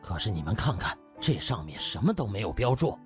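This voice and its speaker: Man acting a deep-voiced, worried hospital director. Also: big pitch swings, brisk, soft background music. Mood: puzzled, troubled. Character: startled older male hospital director, worried and outraged.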